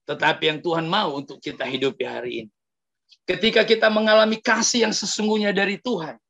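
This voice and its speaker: Bright gravelly male preacher. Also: sits high, fairly quick, lo-fi sound. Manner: animated, addresses the congregation directly. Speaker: pastor. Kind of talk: sermon storytelling. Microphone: livestream sermon mic.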